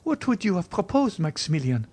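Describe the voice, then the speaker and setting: A man's voice: high-pitched, very animated, brisk, a little mellow, voice pushed up. A distressed young woman played by a male reader speaks in a raised, melodramatic voice. She pleads and reproaches with devoted fervor, as in a dramatized storybook reading of a classic romance. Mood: pleading. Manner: impassioned, melodramatic, exclamatory.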